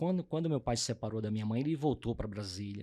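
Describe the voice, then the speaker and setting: A man with a João Pessoa accent, a dark, mellow tone, very wide pitch swings and a very fast pace, on a very clean recording with a silent background. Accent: João Pessoa (Northeastern Brazilian). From Brazil, João Pessoa (Northeast). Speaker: pharmaceutical account manager. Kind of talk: podcast interview.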